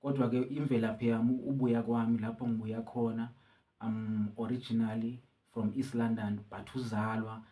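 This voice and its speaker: South African male musician guest, easygoing, hesitant restarts, mid-pitched. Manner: relaxed, halting with many restarts. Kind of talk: casual interview, code-switching.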